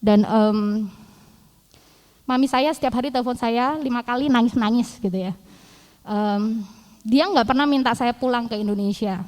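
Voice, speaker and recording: A woman's voice: on the high side, moderate pace, pauses often, a little mellow, big-room sound, rough recording. A woman preaching a testimony sermon in a casual storytelling way, acting out the dialogue she recounts. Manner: conversational storytelling, acts out quoted dialogue. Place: church hall.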